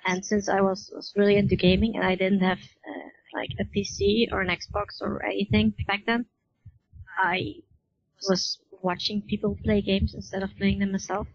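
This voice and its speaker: Even-toned woman, lo-fi audio. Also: mid-range voice, moderate pace, vocal fry, no echo. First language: Dutch. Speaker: podcast guest, forum admin. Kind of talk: casual interview chat.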